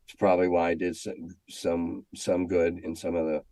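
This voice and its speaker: An older American man reminiscing in a casual, halting, anecdotal way, often repeating himself as he goes. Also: sits low, flat delivery, mellow, no echo. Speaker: guest, former schoolteacher. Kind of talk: casual storytelling interview.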